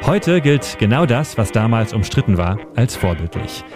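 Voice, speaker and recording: A man reading a scripted radio feature about history and architecture in a measured documentary manner. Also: mid-range voice, big pitch swings. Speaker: feature narrator. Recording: studio voice-over over music.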